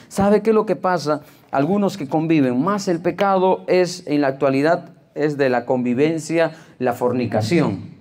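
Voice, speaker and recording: A young adult man, preaching a sermon as pastor, repeating phrases and breaking into sudden emphatic high-pitched bursts. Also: darkish tone. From Peru. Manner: acts out callers' voices in a higher pitch while telling stories.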